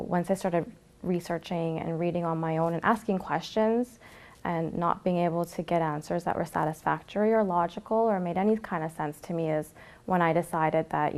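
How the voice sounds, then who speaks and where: A young woman from Canada calmly telling her personal story of faith, often pausing with fillers. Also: on the low side. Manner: reflective, with frequent fillers. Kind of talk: personal testimony to camera.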